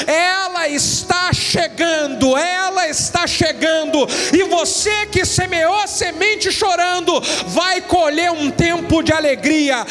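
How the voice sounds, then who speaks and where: A Brazilian pastor preaches with a fervent cadence, his voice sitting very high for a man. His lines ring out in a large church hall with a long reverb, and faint music plays behind him. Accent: Brazilian Portuguese. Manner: fervent preaching, swelling into shouts. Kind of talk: sermon.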